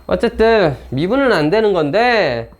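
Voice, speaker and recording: Casual, slightly high-voiced male math teacher. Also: big pitch swings, normal speed. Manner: casual and blunt, talks to himself and teases the textbook. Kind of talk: informal lecture working through problems.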